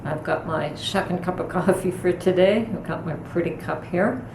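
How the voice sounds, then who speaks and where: A middle-aged woman hosting a homestead vlog, chatting calmly and thoughtfully from her home kitchen. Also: lowish voice, vocal fry. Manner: calm, unhurried, thoughtful with pauses. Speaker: homestead channel host. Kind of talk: casual kitchen vlog chat. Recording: echoey room with noticeable background noise.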